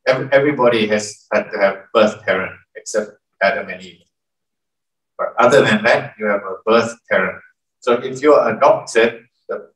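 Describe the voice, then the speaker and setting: A man's voice: medium pitch, fairly bright tone. An older man preaching a teaching sermon from a church stage, often checking in with the congregation. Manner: teaching, asks the congregation questions. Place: large church hall with stage. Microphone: from far camera, at lectern. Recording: echoey hall, distant mic.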